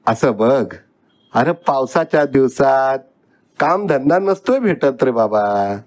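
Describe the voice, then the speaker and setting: A man's voice: medium pitch, lively intonation, slow pace, darkish tone. A man voicing a poor older village father who speaks in a rustic, coaxing way.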